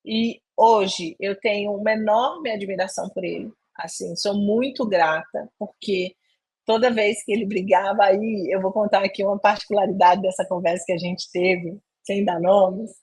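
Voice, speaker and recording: Speaking at a moderate pace, this middle-aged woman has a medium-pitched, slightly rough voice. At a leadership webinar she recounts an episode from her career with lively energy, performing each quoted line as she goes.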